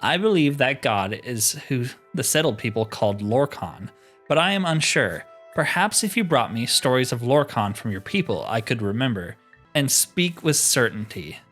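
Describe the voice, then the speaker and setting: A man's voice: medium pitch, very animated, moderate pace, a bit bright, soft background music. Man reading as a wary tribal wise woman. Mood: solemn.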